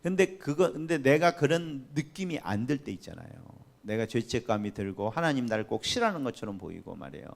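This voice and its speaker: A male pastor delivering a Sunday sermon in a church sanctuary. His pitch swings widely as he preaches. He keeps turning to the congregation with questions. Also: a little fast, creaky, hardly any pauses. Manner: animated, often acting out quoted voices and asking the congregation questions.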